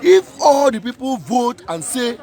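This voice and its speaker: A man's voice: very high-pitched, big pitch swings, measured pace, mellow. A man giving an impassioned protest speech outdoors, repeating his points with emphatic rhetorical questions. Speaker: protest speaker.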